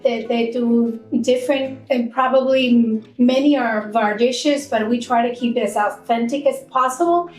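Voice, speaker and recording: High-voiced woman in a roomy echo. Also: darkish tone. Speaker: food truck owner, interviewee. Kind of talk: earnest promotional interview talk. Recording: roomy echo, faint music.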